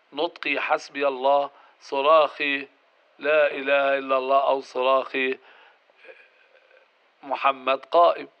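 A male grammar teacher who explains step by step, putting questions to the class and answering them himself. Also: a little high. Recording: dull lo-fi recording.

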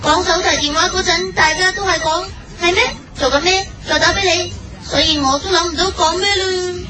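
A woman's voice: very high-pitched, steady tone, normal speed, noisy background. A woman voicing a shameless, taunting monster that steals mobile phones, in a comedy radio drama. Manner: taunting, repeats the same few stock lines.

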